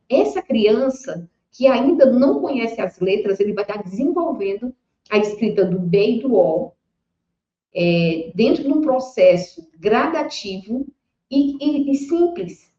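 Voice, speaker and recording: Lively Brazilian woman teacher, roomy sound. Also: a little high. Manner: lively, expressive classroom talk. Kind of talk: recorded lecture. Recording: muffled, roomy lecture recording.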